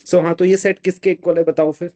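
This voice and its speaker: A man's voice: sits high, flat delivery, a little fast, dark tone. A man teaching a live online math class, explaining step by step and often checking that students follow. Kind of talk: live online math lecture, Hindi-English mix.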